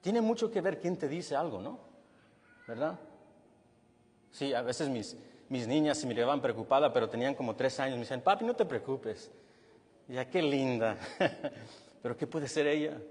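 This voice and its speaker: A male pastor preaching a sermon with a husky voice, animated and then dropping low and quiet to stress a point. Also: normal speed, long pauses. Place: church hall with long reverb. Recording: reverberant church hall.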